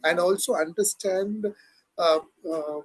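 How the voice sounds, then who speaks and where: A man's voice: high-pitched, takes it slowly, husky, rough recording. A man in his thirties from Tamil Nadu with a Tamil-influenced Indian English accent, giving a hesitant impromptu speech. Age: 30s. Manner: hesitant, with many fillers and restarts. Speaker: club member giving a short speech. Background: another person talking in the background.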